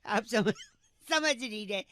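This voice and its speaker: A man's voice: high-pitched, lively intonation, a little slow, very noisy. A man voicing a cheeky, boyish prankster radio persona who teases a caller during a prank call. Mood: teasing. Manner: teasing, repeating one demand.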